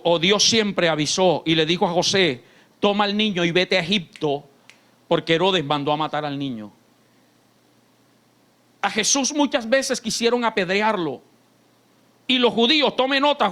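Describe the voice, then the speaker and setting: A male pastor with a Colombian Caribbean Spanish accent, preaching an impassioned sermon in a church, swinging between hushed and shouted lines. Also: high voice.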